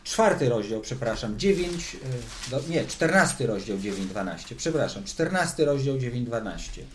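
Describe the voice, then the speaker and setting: A man leads a Bible study in a voice that rises and falls widely, moving between middle and high notes. He talks to the group conversationally, firing questions and repeating words while he gathers his thoughts. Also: animated, moderate pace, a little hiss or hum. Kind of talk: lively Bible teaching to a group.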